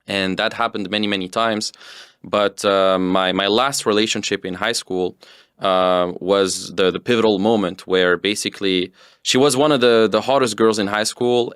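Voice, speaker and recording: A young man from Tunisia, telling his story as a guest in a relaxed, rambling way. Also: lowish voice, clear, resonant tone, dry recording, clean studio sound. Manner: relaxed, rambling with fillers and restarts. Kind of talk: casual interview storytelling.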